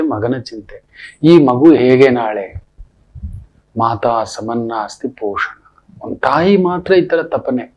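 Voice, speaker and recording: A man's voice: mid-range voice, dull audio. A middle-aged man, an astrologer, telling anecdotes in a spoken discourse, emphatic and given to repeating his refrains.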